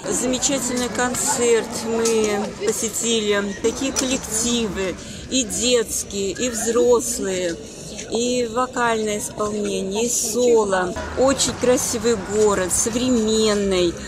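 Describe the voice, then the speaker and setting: A woman's voice: fairly high pitch, steady tone, takes it slowly. A woman in her seventies from Russia, a visitor giving an outdoor street interview. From Belebey, Russia. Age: 70s. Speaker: festival visitor. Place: outdoors at night, reporter mic. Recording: very noisy outdoor street recording.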